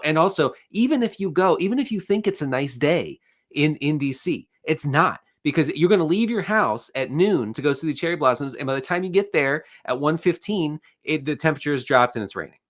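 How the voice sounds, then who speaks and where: A man with a congested voice, co-hosting a casual sports chat, grumbling with dry humor. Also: mid-range voice. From Washington, D.C. area. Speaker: podcast co-host.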